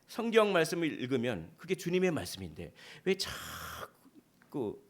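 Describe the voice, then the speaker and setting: A man's voice: a little high, a little slow. A male pastor delivering a sermon, asking rhetorical questions and explaining scripture. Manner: animated preaching with rhetorical questions. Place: church sanctuary.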